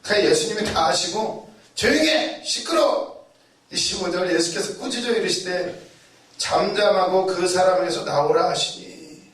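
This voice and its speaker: In a high-pitched voice at ordinary pace, this preacher tells sermon stories with animation, acting out quoted voices and shouts and repeating key words to stress them. The sound is very echoey, picked up from far off.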